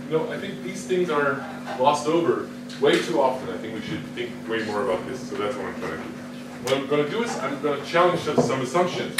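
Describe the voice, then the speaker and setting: A man gives a conference talk from a distance, his voice ringing around a large echoey hall. He talks in a questioning, lively way and keeps restarting his sentences. Heavy noise sits under the recording. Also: medium pitch. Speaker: conference speaker. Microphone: no microphone, distant recording.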